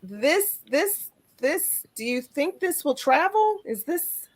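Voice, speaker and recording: A woman's voice: high-pitched, big pitch swings, slow. A woman hosting a casual interview in an enthusiastic, affirming manner. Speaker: podcast host.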